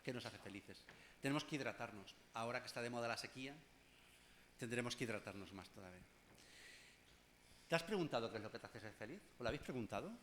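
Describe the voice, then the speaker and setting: Chatty psychologist giving a workshop. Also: male voice, medium pitch, lively intonation, fast, long pauses, fairly bright tone, a little hiss or hum. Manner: conversational, addresses audience directly with asides and humor. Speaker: clinical psychologist leading a workshop. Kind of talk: informal workshop talk.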